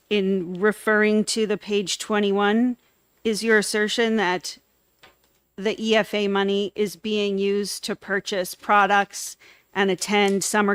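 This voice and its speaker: Slow, flat-voiced woman questioning a witness. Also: medium pitch, clean tone, no echo. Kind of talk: committee hearing questions.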